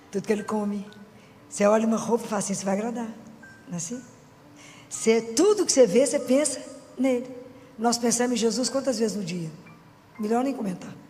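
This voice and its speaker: A woman's voice: on the high side, mellow. Chatty Minas Gerais woman preaching in a hall. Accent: Minas Gerais Brazilian Portuguese. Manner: chatty, keeps asking the audience for agreement. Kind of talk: conversational sermon. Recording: long hall reverb with faint music.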